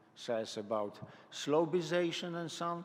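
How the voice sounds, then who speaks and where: A man with a Polish accent speaks at a fairly slow pace with lively intonation, and the room echo is audible. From Poland. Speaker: economics professor. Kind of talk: conference talk.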